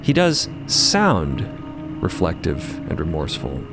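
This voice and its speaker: A man narrating an audio drama in a wry, conversational storytelling manner with deliberate pauses. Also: low-pitched, huge pitch swings, over music.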